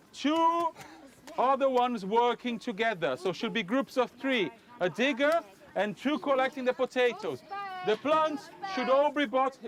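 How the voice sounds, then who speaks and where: A man, a teacher giving an animated outdoor lesson to children. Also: extremely high pitch, background noise. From Brazil. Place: outdoors on a school field.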